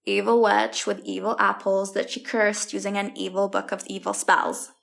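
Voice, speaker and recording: An actress playing a blunt, sardonic young fairy-tale heroine with a casual, deadpan delivery in an audio comedy. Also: female voice, medium pitch, moderate pace, creaky. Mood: wry.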